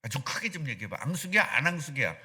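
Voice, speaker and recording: A middle-aged man preaching a sermon as pastor, animated and asking the congregation questions. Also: mid-range voice, very fast. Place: church sanctuary.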